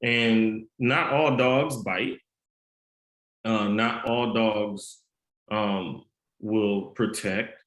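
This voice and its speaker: Low-voiced man with a slight Haitian Creole accent. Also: steady tone, fairly bright tone. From United States. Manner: measured, earnest storytelling. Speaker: guest, author and mentor. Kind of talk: podcast interview. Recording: roomy echo.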